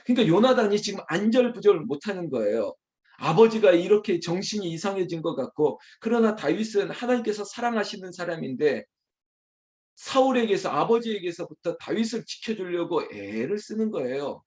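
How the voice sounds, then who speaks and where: Lively male pastor preaching. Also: high voice, moderate pace. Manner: animated, acts out quotes, addresses the congregation directly. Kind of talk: early morning prayer sermon.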